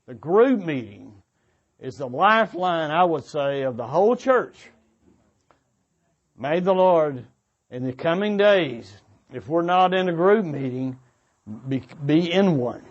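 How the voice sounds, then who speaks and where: A man with a fairly high voice speaks as a church preacher, urging his listeners on in an earnest way. His delivery is a little halting, with phrases restated as he goes. The recording sounds slightly dull and muffled. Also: animated. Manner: earnest, exhorting. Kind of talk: sermon-like exhortation to a congregation. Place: church meeting before a congregation.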